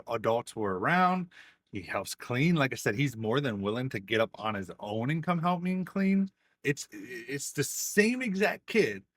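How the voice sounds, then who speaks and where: A man's voice: mid-range voice, a bit bright, no echo. A man, a single father, talking casually to his viewers, with many "you know" fillers. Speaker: single dad vlogger. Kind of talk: casual talk to camera.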